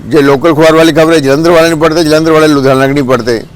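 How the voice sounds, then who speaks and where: A man's voice: a little high, fairly even intonation, racing. Brief: Punjabi-accented man, casual vlog monologue, blunt and scolding. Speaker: vlogger. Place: outdoors with birds and a cat nearby.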